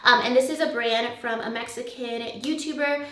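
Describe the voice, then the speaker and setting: This young woman from the USA is a beauty vlogger in casual, chatty talk to camera, full of "um" and "like." Her voice is a little high and sharp in tone, steady, at a moderate pace. The room is echoey and the mic distant, leaving her slightly off-mic.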